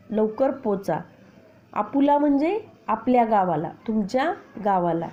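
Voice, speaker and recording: Slow, mellow woman teacher reading a poem. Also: a little high. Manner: recites poem lines slowly, then explains each word with questions to pupils. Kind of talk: explaining a poem to a class. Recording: dull lo-fi recording.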